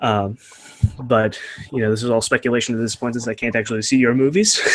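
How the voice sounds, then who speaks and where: A man with an American accent talks very fast at a medium pitch. His intonation stays fairly even over noticeable background noise. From Florida, US (early years in Alabama). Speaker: YouTuber demonstrating deduction. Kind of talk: livestream Q&A with video callers. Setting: livestream video call. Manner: hesitant, many fillers.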